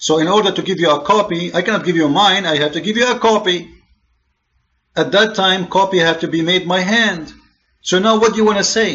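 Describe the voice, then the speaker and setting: A man speaks at a high pitch with a non-native accent. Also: ordinary pitch variation, fairly quick pace. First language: not English. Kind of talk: video reaction commentary. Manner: animated, repetitive stammering.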